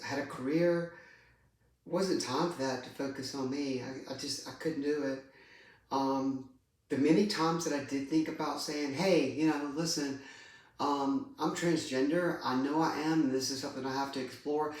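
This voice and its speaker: A middle-aged trans woman telling a personal story in a vlog, halting and hesitant. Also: sits low. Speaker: vlogger. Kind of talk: personal confessional vlog talk. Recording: very echoey room, distant mic.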